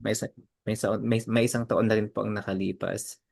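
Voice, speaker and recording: A man with a fairly low voice speaks as an interview guest. He is polite and deferential and moves easily between two languages. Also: level tone, fast talker, vocal fry, a little mellow. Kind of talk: personal interview.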